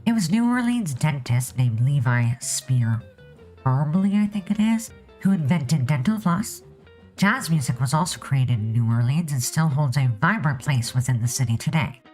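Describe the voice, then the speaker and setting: A woman with a husky voice and a cold, narrating a game speed build in a chatty voiceover. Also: low-pitched, expressive, moderate pace, darkish tone, soft background music, rough recording. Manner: chatty, upbeat sign-off. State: losing her voice, has a cold.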